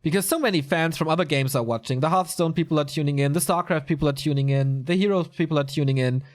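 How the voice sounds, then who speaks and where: This esports commentator has a fairly high voice and talks fast. He covers a live strategy game tournament solo, keeping it casual and chatty while responding to viewer chat.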